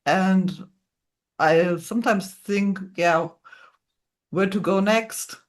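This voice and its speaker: A woman's voice: mid-range voice, drawn-out words. A woman from the Czech Republic hosting a casual interview, speaking with frequent "uh"s and agreeing "yeah"s. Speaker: host.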